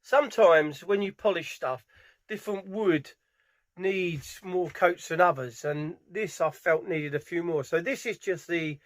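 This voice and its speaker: British male tradesman, voice a little on the high side, informal step-by-step demo delivery while hands are busy. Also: unhurried. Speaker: furniture polisher giving a how-to demonstration. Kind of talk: casual hands-on tutorial narration. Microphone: camera mic on a tripod, at varying distance.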